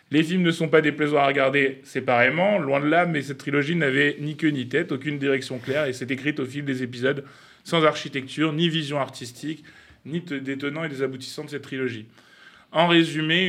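A man's voice: a little high, a bit bright. A young man giving a scripted, playful radio column, mock-pompous and laughing at his own jokes.

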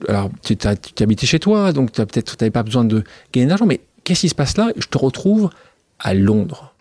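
Male host, fast, animated, probing questions, frequent interjections, dry sound. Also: mid-range voice, no room sound. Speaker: podcast host. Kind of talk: casual interview.

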